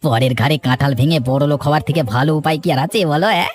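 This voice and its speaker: A man's voice: on the high side, very fast, soft background music, close to an everyday voice. A man playing a cocky, greedy village swindler in a cartoon, boastful, wheedling and treacherous. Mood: scheming. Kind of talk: dramatized cartoon villain dialogue.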